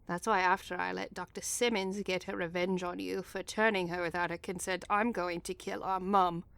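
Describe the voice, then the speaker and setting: A woman's voice: fairly low pitch, little pitch movement, moderate pace, gravelly, a bit bright, clear, resonant tone, no room sound. A woman playing a cold, sardonic, ruthless schemer in an audio drama, with a smug, mocking manner. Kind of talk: audio drama comedy acting.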